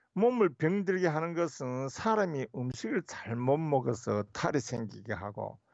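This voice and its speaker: Very wide pitch swings run through what this man says. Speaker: traditional Korean medicine doctor. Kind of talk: radio health interview. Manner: formal.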